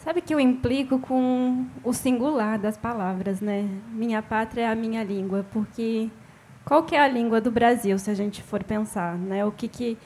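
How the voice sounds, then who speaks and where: A woman's voice: fairly high pitch, fairly even intonation, normal speed, a little mellow, a little hiss or hum. A woman speaking on a literary panel, thinking aloud through a string of questions. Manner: questioning, uses tag "né?". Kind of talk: panel discussion.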